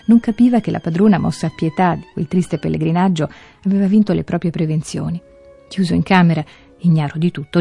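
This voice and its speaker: A woman reading a Christmas tale aloud in slow, measured radio narration. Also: fairly low pitch, vocal fry, dark tone, husky. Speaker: radio story reader. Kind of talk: scripted narration.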